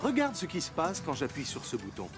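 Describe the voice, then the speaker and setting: A polite, eager cartoon salesman with courteous patter. His pitch moves a great deal, and music plays clearly behind him. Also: wildly swooping pitch, fairly quick. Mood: polite, salesy. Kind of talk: French-dubbed preschool cartoon acting.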